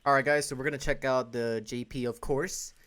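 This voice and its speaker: A man's voice: mid-range voice, steady tone, a little fast, a bit bright, smooth. A young man giving casual, gushing, slangy reaction commentary as a video game YouTuber.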